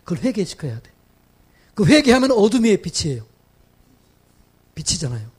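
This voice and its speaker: High, husky-voiced male pastor preaching. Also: sing-song, normal speed. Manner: questions the congregation, then builds to loud exhortations; acts out quoted voices in dramatic asides. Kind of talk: revival sermon.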